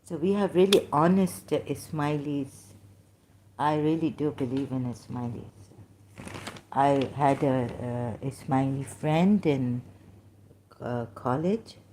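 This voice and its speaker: A woman from Pakistan with a Pakistani accent, talking in a rambling, halting way with many fillers and restarts. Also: a bass voice, mellow, a little hiss or hum. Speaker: vlogger. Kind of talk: casual monologue, reading aloud at times.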